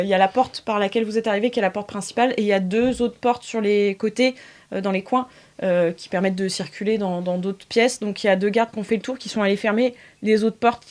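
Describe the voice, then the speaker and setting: A woman's voice: medium pitch, darkish tone. A woman running an improvised tabletop game as game master, narrating casually and hesitantly in a studio. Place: recording studio. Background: music.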